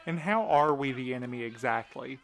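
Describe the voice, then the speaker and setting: A man's voice: medium pitch, a little fast, lightly acted. A man playing a weary, cynical night-shift worker in an audio drama, complaining with dry sarcasm. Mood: weary, exasperated. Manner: sardonic, complaining. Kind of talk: audio drama dialogue, conversational.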